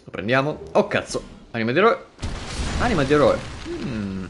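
A man streaming a video game live, commenting with animated, jokey asides and frequent swearing. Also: mid-range voice, moderate pace, slight background noise.

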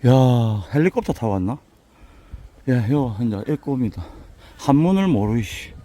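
An older man with a Busan accent, hoarse and a bit winded, chatting folksily as he walks a mountain path for his vlog. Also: mid-range voice, animated, normal speed, warm tone. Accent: Busan Gyeongsang dialect. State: out of breath from climbing. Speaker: vlogger touring local alleys. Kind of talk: casual walking vlog.

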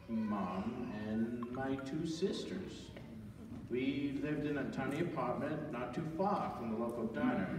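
A man's voice: mid-range voice, lightly acted. A man playing an older storyteller fondly recalling his childhood in a stage radio play, with a folksy manner. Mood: nostalgic. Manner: reminiscing, folksy. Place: large church auditorium, recorded from the audience. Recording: echoey hall from far off, noisy.

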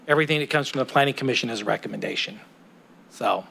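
A man's voice: mid-range voice, very fast, vocal fry, sharp tone, slight background noise. A middle-aged man speaking as a city council member in a council chamber, arguing his point step by step. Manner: persuasive, argues point by point. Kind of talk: council meeting remarks. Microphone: desk microphone.

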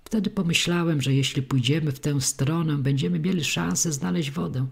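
A woman reading an audiobook, voicing a worn-out man who speaks gently to a child. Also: low voice, moderate pace, gravelly, breathy edge, exaggerated voice. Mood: sad. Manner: gentle, soothing. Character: exhausted man, tender with a child.

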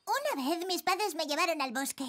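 Very high, eager little cartoon girl. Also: lively intonation, moderate pace. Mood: curious. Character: sweet, curious, excitable little girl. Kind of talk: animated cartoon dub acting. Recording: background music.

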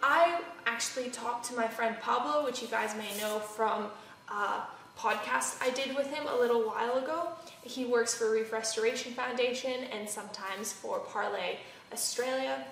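A woman's voice: on the high side, moderate pace, fairly bright tone. A woman narrating her ocean vlog in a plain, explanatory storytelling way. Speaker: ocean vlogger. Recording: roomy sound from far off.

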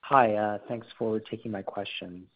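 A male financial analyst with a lowish voice puts questions on an earnings call. His delivery is halting and careful. The line is thin and telephone-like. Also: fairly even intonation. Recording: narrow phone line.

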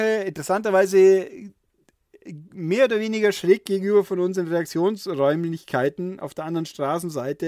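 A man with a slightly raised pitch hosts his own show alone, chatting casually over a viewer's letter. He stumbles and restarts often, filling gaps with "äh". The sound is dry and close, with no room echo. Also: darkish tone. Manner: reads a viewer's letter aloud and comments with many fillers and restarts. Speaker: podcast host reading viewer mail. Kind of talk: casual solo chat.

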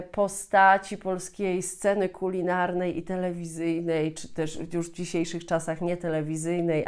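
With a clean, medium-pitched voice, a woman in her thirties gives an explanatory lesson as host and Polish teacher. She's indoors in a small furnished room at home and frequently repeats and rephrases her points.

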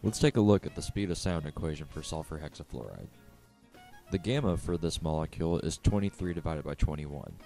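A man's voice: extremely low pitch, expressive, brisk, gravelly, warm tone, soft background music. A man explaining physics step by step in a scripted educational narration.

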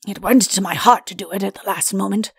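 Sly storybook royal, played by a woman: self-satisfied, mischievous, mock-tender, with some fry in the voice. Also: medium pitch, a little fast, dry recording, studio quality. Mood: smug, mock-pitying.

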